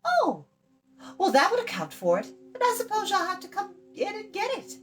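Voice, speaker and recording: A woman's voice: very high-pitched, wildly swooping pitch, moderate pace, faint music behind, pitched above the performer's own voice, full character voice. A woman voicing a chatty, blunt young girl in a fantasy storybook, in a light, musical voice with a breezy manner. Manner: breezy, talkative, matter-of-fact. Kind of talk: children's fantasy storybook reading.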